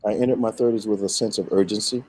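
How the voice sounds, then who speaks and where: An older man, a bishop, telling personal reflections conversationally in a measured, emphatic way. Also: on the low side, fairly even intonation, heavy background noise. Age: middle-aged or older. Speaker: bishop, guest.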